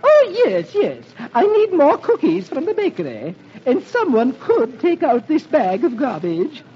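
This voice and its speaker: Guy playing a prim rich lady, squeaky fluttery falsetto, dull old radio. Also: huge pitch swings, unhurried, a little hiss or hum, heavily acted. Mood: genteel.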